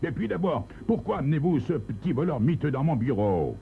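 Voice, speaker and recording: A man's voice: a little high, sing-song, brisk, creaky, voice pushed up. A man voicing a pompous, irritable store director who grumbles and blusters in a crime story reading. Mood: angry, blustering. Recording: tinny lo-fi recording, faint hiss.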